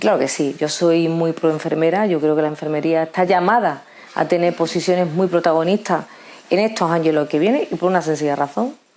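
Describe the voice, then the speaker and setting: Speaking at a fairly quick pace, a woman keeps a very even loudness, with fairly low pitch and ordinary pitch variation. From Andalusia, Seville. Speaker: politician, nurse and trade unionist. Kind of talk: interview. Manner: halting, with fillers and restarts.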